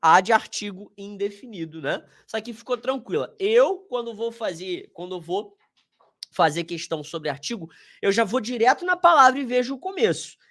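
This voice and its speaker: A man's voice: high voice, expressive, moderate pace, pushed and bright. A man with a Brazilian Portuguese accent teaching an online exam review lesson, casual and slangy, talking straight to his students.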